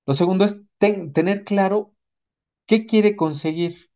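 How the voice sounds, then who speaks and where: A man's voice: mid-range voice, a little mellow, lo-fi sound. A man with a Mexican accent giving an explanatory talk as a psychotherapist, in a didactic manner, often checking in with short rhetorical questions. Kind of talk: explanatory talk with acted examples.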